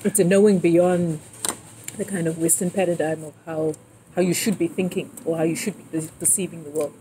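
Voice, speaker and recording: A woman's voice: fairly low pitch, steady tone, brisk, warm tone. A woman in casual conversation outdoors, listening and responding in an affirming, reflective way. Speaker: friend listening and interviewing. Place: outdoor patio table. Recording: noisy outdoor ambience on open mic.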